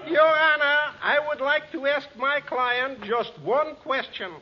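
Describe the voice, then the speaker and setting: An actor playing a boastful, bumbling comic lawyer with a pompous manner, in 1940s radio comedy style. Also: male voice, very high-pitched, steady tone, slow. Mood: cheerful. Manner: mangles names, pompous. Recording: noisy, dull old radio recording.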